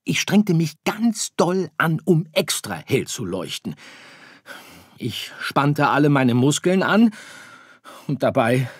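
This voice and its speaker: A man's voice: a little high, big pitch swings, slow pace, husky, dry recording, clean studio sound, pitched above the performer's own voice, full character voice. A man voicing a stubborn, whiny little boy star in an audiobook, pouting and complaining. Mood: tearful. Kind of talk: audiobook character voice.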